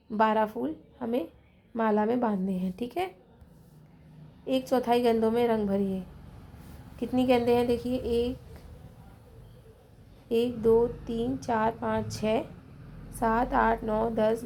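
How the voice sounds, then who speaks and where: Patient woman teacher with a gravelly voice. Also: fairly high pitch, steady tone, unhurried, long pauses, warm tone. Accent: Hindi of Rajasthan. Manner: patient, counts aloud, checks in with "ठीक है". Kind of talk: math lesson for children.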